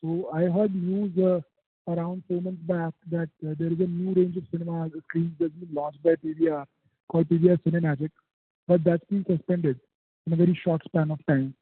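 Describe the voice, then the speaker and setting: A man's voice: a little high, level tone, normal speed, slightly rough, no room sound. A man with an Indian accent, an analyst calling in to an earnings call, asks questions somewhat hesitantly over a phone line. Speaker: analyst caller asking questions. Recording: dry, tinny narrowband phone line.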